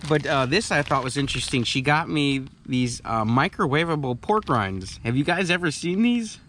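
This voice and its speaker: A man's voice: a little high, animated, moderate pace, fairly bright tone. A man in his thirties hosting a casual vlog-style chat. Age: 30s. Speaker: host. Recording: faint background noise.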